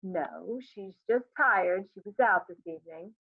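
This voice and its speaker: A woman voicing a weary older mother who answers curtly, quietly and dryly. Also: mid-range voice, a little slow, dry recording, lightly acted. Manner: dry, curt, quiet. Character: weary, dry-toned older mother of the household. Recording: dry, tinny phone-like sound.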